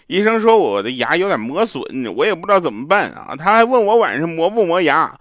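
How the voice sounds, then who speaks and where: A man doing a stand-up comedy monologue with deadpan jokes. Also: fast talker, no echo, studio quality. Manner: deadpan joke delivery with lively pitch swings. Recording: clicks and noise in the recording.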